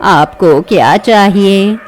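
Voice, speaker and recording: A woman's voice: mid-range voice, a little hiss or hum, close to an everyday voice. A woman voicing a stern old village sorceress in a storybook. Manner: slow, commanding, scolding.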